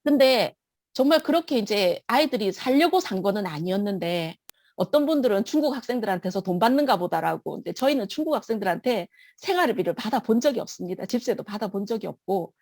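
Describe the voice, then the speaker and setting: A woman's voice: medium pitch, lively intonation, fast talker, darkish tone, no room sound. A woman giving an emotional personal testimony in church, telling her story vividly.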